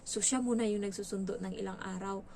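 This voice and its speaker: A woman's voice: medium pitch, a little fast, a little hiss or hum. Filipina helper retelling her story. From Philippines. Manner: lively retelling, acting out quoted dialogue; mixes in English words. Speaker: domestic helper vlogger. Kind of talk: casual storytelling.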